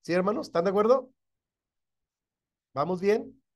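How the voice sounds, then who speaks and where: A man's voice: high-pitched, lively intonation, moderate pace. A middle-aged man with a Mexican accent, a pastor teaching a church class who often asks his listeners whether they agree and chuckles as he talks.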